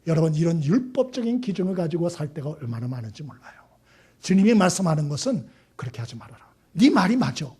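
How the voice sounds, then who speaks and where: A man's voice: a little high, sing-song, fast talker, dark tone, husky. A man, a pastor, preaching a Sunday sermon in a conversational way, putting questions to the congregation and acting out the people in his stories.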